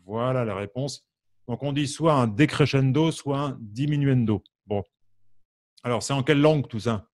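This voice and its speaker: A man with a darkish, medium-pitched voice speaks at normal speed while teaching harmonica live online. Hailing from the Champagne region of France, he poses questions to viewers, reads their answers by name and peppers his talk with fillers.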